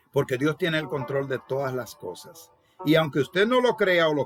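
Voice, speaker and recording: A man talks at a fairly high pitch as music plays in the background. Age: 60s. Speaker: preacher. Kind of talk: sermon.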